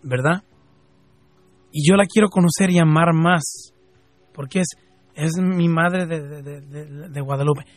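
A man from Jalisco with a Mexican accent, giving fervent Catholic radio teaching that climbs into emphatic questions and then slows down. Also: on the high side, dry recording, faint music behind. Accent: Mexican Spanish, from Jalisco. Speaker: radio host.

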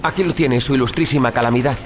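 A man playing a dim, excitable, fawning gamer underling who stammers and exclaims, in a comedy horror audio drama. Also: medium pitch, fast, background noise, natural voice.

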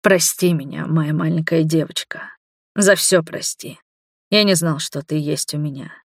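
A grey-haired, ailing man speaks softly and lovingly, pleading for forgiveness, as read by a woman narrator. The voice stays low and calm. The sound is close and dry. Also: unhurried, no echo. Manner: soft, tender, pleading.

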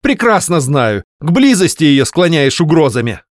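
A man's voice: on the high side, very animated, normal speed, no room sound, studio quality, voice pushed up. A man voicing an outraged village wife who shrilly accuses her husband. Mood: furious. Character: older village wife Arina, kind but furious when wronged.

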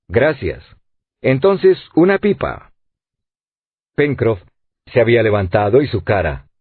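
A man narrating an audiobook in an expressive storytelling reading. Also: fairly low pitch, husky, dry recording. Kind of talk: scripted narration. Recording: dry, tinny phone-like sound.

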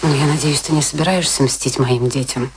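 An actress playing a bitter, vengeful, proud wife in a radio play, with theatrical, scornful, emphatic delivery. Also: female voice, rumbling low, steady tone, a little fast. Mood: cold, vengeful. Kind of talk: Russian radio play acting. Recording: noisy old radio drama recording with clicks.

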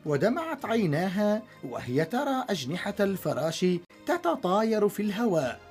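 A woman narrating a children's radio story in a measured, expressive storytelling manner. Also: medium pitch, soft background music.

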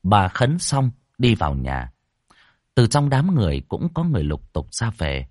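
A man narrating a horror story in an expressive, dramatic reading. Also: lowish voice, moderate pace, dry recording, studio quality.

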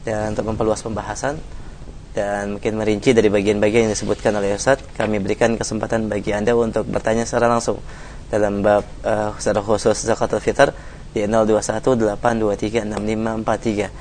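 A man's voice: lowish voice, level tone, quick pace, a little mellow, slight background noise. A man hosting a live religious call-in radio show, formally announcing numbers and greeting callers. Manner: formal, reads Arabic text aloud, greets callers. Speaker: radio program host and moderator.

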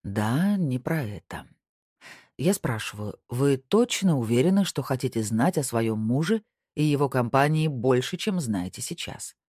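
An audiobook reader voicing a calm, easygoing Northern man with a dry, low-key way of talking, dropping the voice lower for his lines. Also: unhurried, slightly rough, no echo. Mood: serious. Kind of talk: audiobook dialogue.

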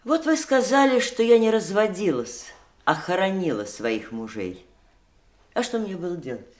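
Woman acting middle-aged widow, radio drama, biting yet sorrowful, highly animated pitch, deliberate emphatic phrasing. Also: natural voice. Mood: wounded, sorrowful. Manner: emphatic, eloquent, deliberate reproach. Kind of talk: theatrical Russian audio drama acting.

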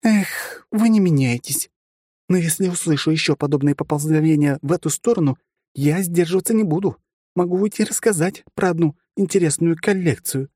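A fiery, jealous young woman, played by a male narrator in a storybook reading. The voice is pitched very high above his own and quick to flare. It is recorded close and dry. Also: mellow, husky, no room sound. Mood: angry. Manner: indignant, hot-tempered.

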